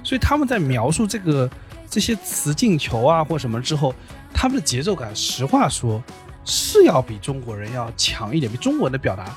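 A man talking casually on a podcast in a thoughtful, measured way. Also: medium pitch, wildly swooping pitch, faint music behind. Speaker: podcast host. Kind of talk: casual chat.

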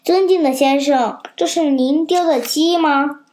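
A crafty wolf that speaks with too much politeness, as a child storyteller puts him on. The voice is high and slow, sweet on the surface with a sly edge. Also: female voice, a little mellow. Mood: fawning. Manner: overly polite, smooth-talking. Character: sly, fawning male wolf.

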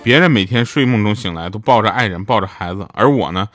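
A young man telling short jokes in a stand-up monologue, deadpan, acting out the people in his stories. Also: fairly low pitch, fast, music in the background. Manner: deadpan storytelling, acting out the voices in his anecdotes. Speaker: stand-up comedian.

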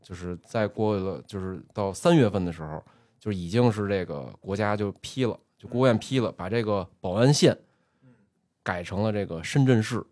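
Low-voiced man telling a story in casual chat. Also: darkish tone, no echo. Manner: storytelling, drawn-out filler particles. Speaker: podcast host.

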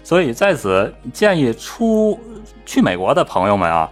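A man telling a travel story in a casual podcast chat, animated and fond of mimicking voices. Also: medium pitch, moderate pace, faint music behind.

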